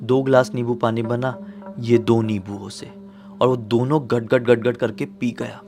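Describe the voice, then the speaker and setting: A man's voice: medium pitch, fairly even intonation, measured pace, a little mellow, soft background music. A man telling a horror story in a conversational, dramatic way.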